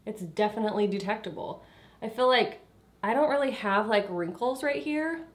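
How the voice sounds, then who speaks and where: A woman's voice: mid-range voice, lively intonation, moderate pace. A young woman reviewing a foundation in a casual vlog, congested and a little nasal, chatty with lots of fillers. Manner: chatty, filler-heavy, trailing into quiet asides. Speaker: beauty vlogger. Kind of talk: casual product review and makeup demo.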